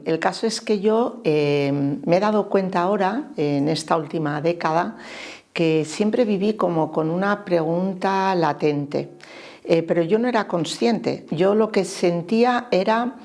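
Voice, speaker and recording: A woman in her fifties from Spain, with a Spain Spanish accent and a low, gravelly voice, shares a personal faith testimony as an interviewee. She is reflective and hesitant, pausing often and using soft fillers.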